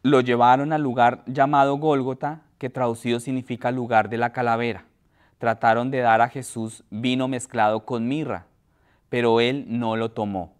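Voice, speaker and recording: A man preaching a sermon in a church, his voice smooth and resonant at an ordinary middle pitch. He reads scripture aloud in an even, measured way, then talks to the congregation with pauses and restarts. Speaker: pastor.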